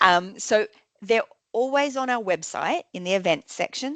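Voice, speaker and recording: Speaking with an Australian accent, a woman uses lively intonation at a moderate pace against a quiet background. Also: dry, close sound with no echo. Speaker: advocacy forum presenter. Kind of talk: online meeting update.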